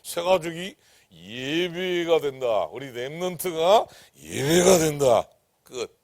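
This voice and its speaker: A man preaching a sermon as pastor, who swings from loud, emphatic declarations to hushed whispers and keeps asking the congregation questions. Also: fairly high pitch, lively intonation, slow pace, creaky, no echo, studio quality. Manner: asks the congregation rhetorical questions. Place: church sanctuary.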